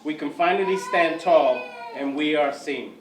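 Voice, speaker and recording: A man voicing an excited young boy. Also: a little high, unhurried, very noisy, close to an everyday voice. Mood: joyful. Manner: pleading, emphatic, rising outbursts. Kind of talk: spoken word poetry performance. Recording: echoey room, mic from far off.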